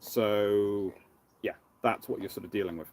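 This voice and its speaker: A man hosting a casual live question-and-answer stream, thinking aloud in a halting, rambling way. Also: lowish voice, steady tone, darkish tone. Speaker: livestream host, naval historian. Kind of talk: casual live Q&A with off-the-cuff commentary.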